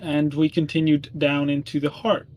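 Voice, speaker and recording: Halting man with a slightly high voice. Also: little pitch movement, dull audio, slight background noise. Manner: halting, full of ums and self-corrections. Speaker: player giving the session recap. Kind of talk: casual chat recapping a tabletop game.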